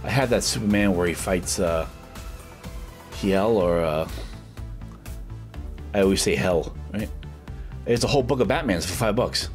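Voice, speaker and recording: A man's voice: sits low, unhurried, long pauses, faint music behind. A middle-aged man, casually narrating a walking vlog through a small comic shop, rambling with lots of filler words. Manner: chatty, rambling, many "uh" fillers, excited when finding books. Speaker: vlogger touring a comic shop. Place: street, then a small comic shop indoors.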